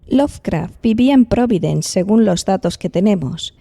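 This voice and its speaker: A woman's voice: medium pitch, lively intonation, normal speed, warm tone, husky. A woman with a Spain accent playing a studious, confident investigator who explains things articulately in an audio drama. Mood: serious, explanatory. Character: studious, serious female investigator, confident and helpful. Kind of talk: Spanish-language audio drama dialogue.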